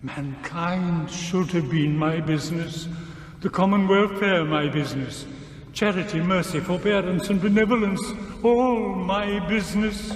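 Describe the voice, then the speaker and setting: A man's voice: high voice, a little slow. An actor playing the mournful ghost of a dead businessman in a radio drama, speaking in a solemn, lamenting, declamatory way. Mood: anguished lament. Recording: cavernous long reverb, background noise.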